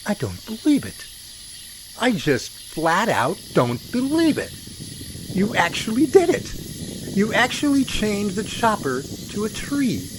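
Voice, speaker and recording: A man's voice: sits high, wildly swooping pitch, takes it slowly, heavily acted. A man playing an incredulous, wisecracking helicopter crewman with exaggerated disbelief in an amateur audio drama. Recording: noisy radio-drama track with aircraft-like ambience.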